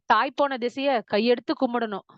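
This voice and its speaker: A woman's voice: a little high, fairly even intonation, normal speed, dry recording, muffled recording, close to an everyday voice. Brief: woman playing an old village carpenter, choked up and begging, storybook reading. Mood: pleading. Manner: pleading, choked with tears. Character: poor old male carpenter, tearful, pleading.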